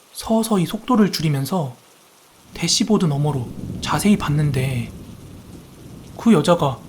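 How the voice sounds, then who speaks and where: Calm man narrating a horror story. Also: a little high, slightly rough. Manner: soft, steady storytelling tone in the first person.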